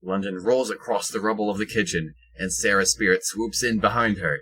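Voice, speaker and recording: A man's voice: on the low side, fairly even intonation, fairly quick, sharp tone, a little hiss or hum. A man reading scripted present-tense action narration for an audio drama.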